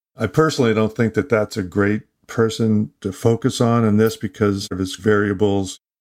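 On a very clean recording with a silent background, a man in an unremarkable speaking voice talks at a moderate pace, fairly low in pitch, with fairly even intonation. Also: hardly any pauses. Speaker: former baseball player. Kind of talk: interview.

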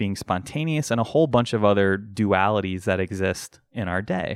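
A man with a plain, everyday voice, fairly low in pitch, talks at a moderate pace. The recording is very clean and silent in the background, with a dry, close sound and no echo. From Pennsylvania. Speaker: podcast host. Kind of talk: solo podcast talk. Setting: home apartment.

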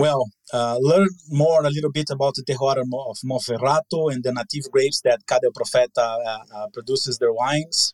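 A man speaks at a moderate pace with a Portuguese accent and a fairly high pitch. His pitch varies in an ordinary way, there are hardly any pauses, and the sound is dry and close with no echo. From Brazil, Florianópolis. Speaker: wine ambassador and interviewer. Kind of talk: reading aloud; interview. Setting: online audio chat room.

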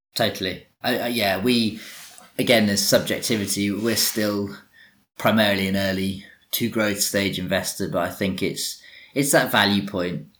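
A man with an English accent, fairly low pitch, ordinary pitch variation and a moderate pace. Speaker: investor. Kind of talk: casual interview. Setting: video call.

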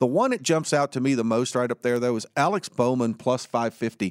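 A man with a Southern US accent talks at a fairly quick pace and medium pitch, in a very clean recording with a silent background and a dry, close sound with no echo. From US South. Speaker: motorsport betting podcast co-host. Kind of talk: casual sports chat.

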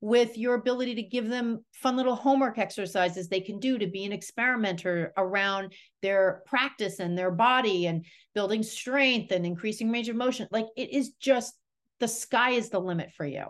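Against a quiet background, a woman talks at a moderate pace with fairly high pitch and ordinary pitch variation. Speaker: yoga teacher coach and podcast host. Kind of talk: solo podcast monologue. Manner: animated.

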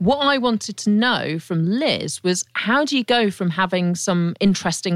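This is a woman with an ordinary speaking voice, talking at a moderate pace. The sound is dry and close, with no echo. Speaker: podcast co-host. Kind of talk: scripted podcast hosting and casual chat.

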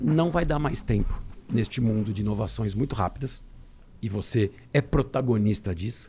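Vocal fry marks a man's fairly low-pitched voice as he speaks at a moderate pace. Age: 50s. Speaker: franchise consultant. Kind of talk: podcast interview.

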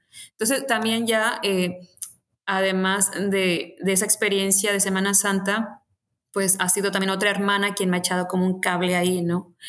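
At a moderate pace, the speaker talks with a Mexican accent in a monotone, flat intonation and very even loudness. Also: woman, medium pitch for a woman. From Mexico, León, Guanajuato. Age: 30s. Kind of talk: interview testimony.

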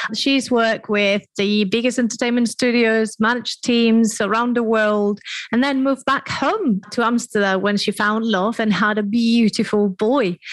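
A woman's plain, everyday voice at fairly high pitch, moderate pace with hardly any pauses, fairly even intonation and very even loudness, on a very clean recording with a silent background. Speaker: life coach, podcast host. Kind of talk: podcast interview.

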